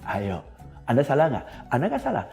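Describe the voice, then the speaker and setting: A man teaching a customer service lesson, animated, laughing often and slipping into English phrases. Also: medium pitch, fairly quick, gravelly, faint music behind. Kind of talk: recorded training lesson.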